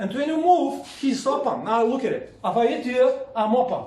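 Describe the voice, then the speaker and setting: A man with a Bulgarian accent and an extremely high pitch speaks in an animated tone at a moderate pace, with audible room echo. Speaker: self-defence instructor. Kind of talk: lecture.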